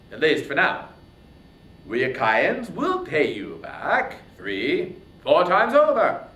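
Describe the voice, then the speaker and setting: A man performs a furious, headstrong hero of ancient epic. His high, swooping voice declaims with scorn and indignation, ringing in a roomy, echoing space. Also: a bit bright, full character voice. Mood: urging, scornful. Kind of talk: dramatic reading of epic poetry.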